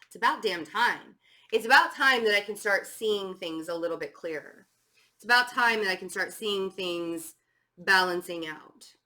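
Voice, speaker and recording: Woman tarot reader, hoarse and stuffed up, mid pitch, loose chatty delivery full of ums and restarts. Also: bright, forceful tone. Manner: chatty, many fillers and restarts. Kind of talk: casual tarot reading.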